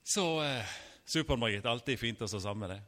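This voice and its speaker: A man's voice: on the low side, lively intonation, a bit bright. A man in his fifties preaching a sermon in a casual, personal way, with frequent fillers and restarts. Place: church hall. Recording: church hall reverb.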